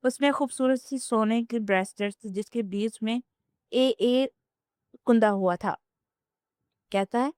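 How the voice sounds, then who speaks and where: A woman reading a romance novel aloud as narrator, in steady, even storytelling. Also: a little high, smooth, dry recording. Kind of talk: scripted audiobook narration.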